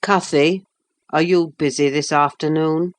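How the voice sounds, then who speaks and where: A woman reading aloud who voices a sullen, resentful young man in a low, unhurried voice close to her own. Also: steady tone.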